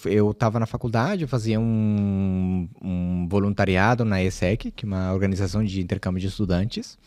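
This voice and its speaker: A man talks through his life story in a relaxed, meandering way. His voice sits on the lower side, and he leans on fillers as he goes. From Colombia. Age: 30s. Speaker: guest. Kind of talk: casual podcast conversation.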